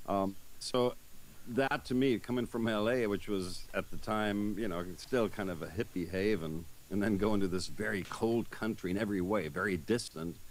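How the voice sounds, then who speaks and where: A man with a slight German accent speaks at a moderate pace in a fairly low pitch, with ordinary pitch variation. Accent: slight German-tinged American. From Los Angeles, US, with teenage years in Germany. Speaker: dating coach. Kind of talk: interview.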